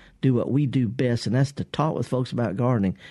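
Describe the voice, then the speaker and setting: Speaking at a fairly quick pace, a man with a Southern US accent has a dark, mellow tone at a medium pitch. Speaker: radio host and horticulturist. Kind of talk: call-in radio show. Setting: radio studio. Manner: animated.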